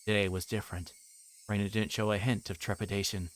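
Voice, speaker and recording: A man reads first-person visual novel narration on a livestream. His voice sits somewhat low, and the delivery is dramatic storytelling. There is some noise behind him. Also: flat delivery, fairly quick.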